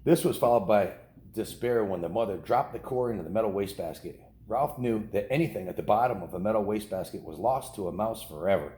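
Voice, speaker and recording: A man's voice: lowish voice, fast talker, warm tone. A middle-aged American man talking casually and reading aloud as a dad hosting a story video for kids. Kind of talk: casual home vlog chat and read-aloud storybook narration.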